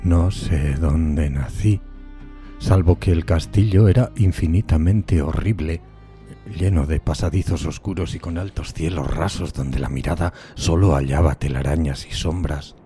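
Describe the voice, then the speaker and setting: An actor playing a tormented, solitary outcast in a gothic horror audiodrama, speaking in a brooding, solemn, halting dramatic way. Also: male voice, very deep voice, dark tone. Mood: haunted dread. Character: tormented solitary outcast man recalling a decayed gothic castle. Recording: music bed behind the voice.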